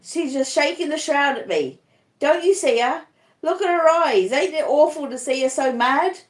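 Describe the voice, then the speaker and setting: A dying man voiced by a woman reader raves in terror of a ghost. The pitch is raised and the pleas come in panicked cries, as in a dramatic audiobook, recorded in an echoing room. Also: animated, moderate pace. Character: terrified, raving dying man, haunted by a ghost. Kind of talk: audiobook character acting.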